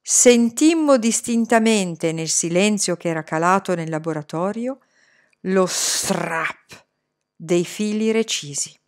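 A woman narrating a novel chapter in the first person, measured and expressive. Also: medium pitch. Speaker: audiobook reader. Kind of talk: scripted narration.

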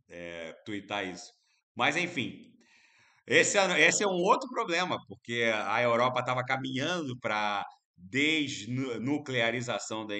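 A man with a Brazilian Portuguese accent giving casual, opinionated crypto market commentary in an emphatic, animated way. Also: mid-range voice.

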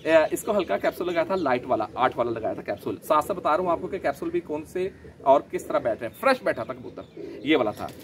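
A man, gently explaining his pigeon keeping in a casual vlog, a little hoarse from a sore throat. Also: fairly high pitch, animated, fast talker, slight background noise. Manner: chatty, gentle, explains while handling birds. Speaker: pigeon keeper vlogger. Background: pigeons cooing.

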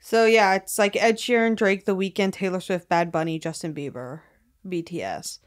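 A woman's voice: fairly low pitch, moderate pace. A woman in her twenties co-hosting a podcast in casual, sweary, slangy chat on a close studio microphone. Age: 20s. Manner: slangy, sweary, with heavy filler "like". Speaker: podcast co-host. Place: small room, indoors. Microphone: podcast microphone on boom arm.

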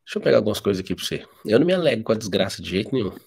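Deep gravelly Brazilian preacher. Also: male voice, sing-song, very fast, a little mellow. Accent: Brazilian Portuguese. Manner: storytelling, blunt and direct. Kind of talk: live devotional sermon.

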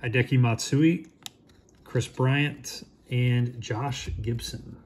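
A man in his thirties talks through pack openings in a relaxed, low-key way. He speaks slowly, naming each player with a short remark. A faint hiss sits under his close, indoor camera-mic sound. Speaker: card shop host opening packs. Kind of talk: casual card-opening commentary.

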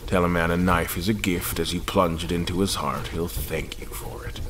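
A man playing a weary, calculating admiral in an audio drama, speaking gravely and deliberately with dry sardonic wit. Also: low-pitched, steady tone, noisy background, lightly acted.

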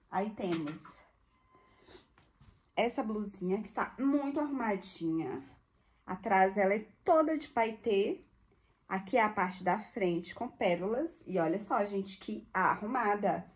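A woman, showing thrift-store clothes to viewers in a chatty, gushing way. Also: medium pitch. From Brazil. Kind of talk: casual live product showcase.

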